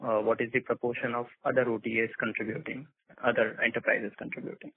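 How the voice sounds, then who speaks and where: An Indian-accented man asks questions as an investor on a conference call. His voice is mid-pitched and rough-edged. It comes through a tinny, narrow phone line. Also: little pitch movement, fast talker.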